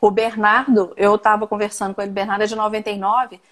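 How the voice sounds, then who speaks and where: A woman with an unremarkable speaking voice talks at a moderate pace, her pitch fairly high. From Minas Gerais, Brazil (Itaúna). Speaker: speech therapist hosting live talk show. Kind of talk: casual chat. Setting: live stream video call.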